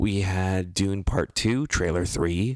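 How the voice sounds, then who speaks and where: A man speaks at a very slow pace in a very deep, low voice with ordinary pitch variation. The recording is very clean, with a silent background and a dry, close sound with no echo. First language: Vietnamese. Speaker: podcast host. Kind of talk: casual chat.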